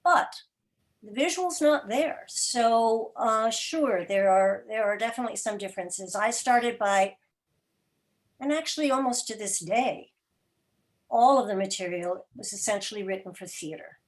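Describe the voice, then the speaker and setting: A woman with a mid-range voice speaks as an interview guest. She explains things in a deliberate, thoughtful way, choosing her words with care and putting them clearly. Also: mid-range voice. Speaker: guest, radio drama podcast producer.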